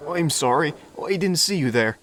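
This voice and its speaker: A man voicing an eager, naive young male diesel engine who talks excitably and stammers when sheepish. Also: on the high side, normal speed, pitched above the performer's own voice. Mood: cheerful. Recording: music playing behind.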